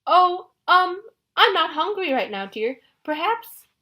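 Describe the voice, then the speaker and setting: A woman voicing a nervous adolescent male satyr who stammers and talks in a high, fluttery way. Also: very animated, takes it slowly, pushed and bright, full character voice. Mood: flustered.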